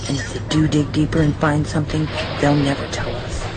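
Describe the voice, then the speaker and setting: A woman's voice: deep voice, flat delivery, brisk, music in the background, lightly acted. A woman playing a determined TV news reporter. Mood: indignant. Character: determined young female TV reporter, suspicious. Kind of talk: amateur radio drama acting.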